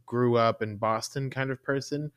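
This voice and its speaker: A woman's voice: extremely low pitch, fairly even intonation, moderate pace, clear, resonant tone, no echo, studio quality. A woman co-hosting a podcast in a casual chat, blunt and emphatic, swearing freely. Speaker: podcast co-host.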